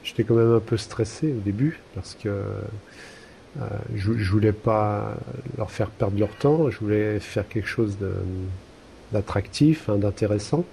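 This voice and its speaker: A man's voice: fairly low pitch, measured pace, gravelly, warm tone, slight background noise. A man co-hosting a podcast in casual chat, talking hesitantly with many fillers and restarts. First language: French. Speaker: podcast co-host.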